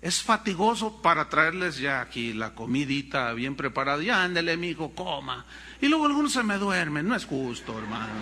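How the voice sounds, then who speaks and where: High, bright-voiced Mexican pastor preaching. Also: male voice, a little fast, hardly any pauses, big-room sound. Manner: animated storytelling, addresses congregation as brothers. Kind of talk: sermon.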